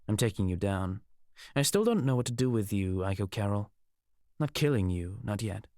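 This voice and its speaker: Man playing a low-voiced, menacing mad mage. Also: normal speed, no echo, studio quality. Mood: cold, menacing. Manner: odd inflections, sardonic, expressive delivery. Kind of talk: audiobook character acting.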